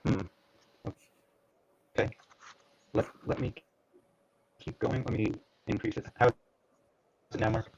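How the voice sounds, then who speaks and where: A man giving a live coding demo as a guest, talking in a halting way with many fillers while his call audio breaks up. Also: fairly low pitch, level tone, gravelly, darkish tone. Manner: halting, full of fillers and restarts. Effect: choppy, breaking-up call audio. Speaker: guest demonstrating software. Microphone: computer headset on a video call. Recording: dull lo-fi online call audio.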